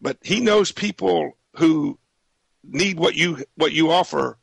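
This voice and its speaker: A man with a raspy voice hosting a casual radio talk show in a folksy way, often stumbling over and repeating words. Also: fairly high pitch, slow, dry recording.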